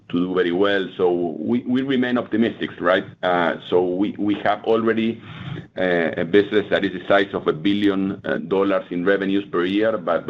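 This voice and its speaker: Very low-voiced man on a noisy call. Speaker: company executive. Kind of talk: answering on earnings call. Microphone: conference call line. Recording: dull, faintly noisy call line.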